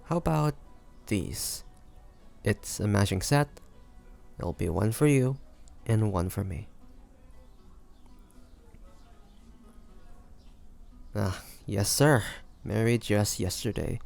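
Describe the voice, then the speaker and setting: A man acts out a roguish pirate captain for an intimate audio roleplay. His voice sits fairly low, with a heavy gravelly creak, and he takes his time over every phrase. He is smooth-talking and teasing, yet fiercely protective of the one he addresses. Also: animated, measured pace, darkish tone, soft background music. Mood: courteous, affable. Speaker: voice actor.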